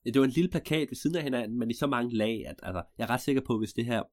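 A man telling an improvised story in a rambling, digressive way with deadpan asides. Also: medium pitch, no room sound, studio quality.

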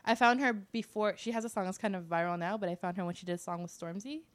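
A woman's voice: medium pitch, fast talker. A woman with a Toronto accent in casual chat, talking in a playful, emphatic, slangy way.

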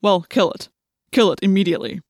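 A woman's voice: lowish voice, fairly even intonation, normal speed, dry recording, clean studio sound, natural voice. Woman voicing a cold, menacing alien warlord. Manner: menacing, imperious orders.

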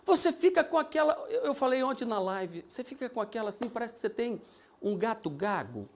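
An older man preaching a sermon as pastor, emphatic and repetitive, telling stories with lively energy. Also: very high-pitched, brisk.

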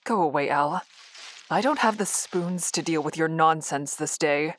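A woman's voice: deep voice, a little slow, a little hiss or hum. A woman playing a grieving, short-tempered mother in an emotional audio drama. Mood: weary, irritated.

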